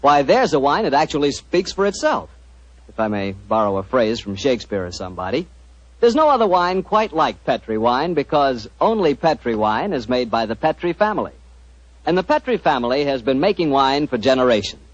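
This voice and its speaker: A man's voice: medium pitch, sing-song, fairly quick, no echo. Breezy man, old radio announcer. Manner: breezy, folksy salesman patter. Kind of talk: scripted radio ad banter. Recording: dry, dull old radio recording.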